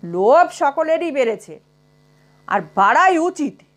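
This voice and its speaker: A woman's voice: sits high, big pitch swings, slow pace, heavily acted. A woman voicing a stern, serious older male mathematics professor who speaks bluntly. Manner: grave, blunt.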